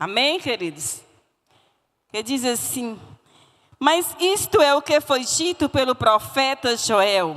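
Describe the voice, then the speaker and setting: A woman with a fairly high pitch and vocal fry makes very wide pitch swings. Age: 60s. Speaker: preacher. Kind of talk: sermon. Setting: church.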